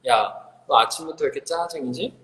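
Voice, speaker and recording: A man's voice: fairly high pitch, brisk, fairly bright tone, close to an everyday voice. A man lecturer imitating a middle-aged mother nagging her teenager. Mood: scolding. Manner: nagging, scolding. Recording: echoey hall with long reverb.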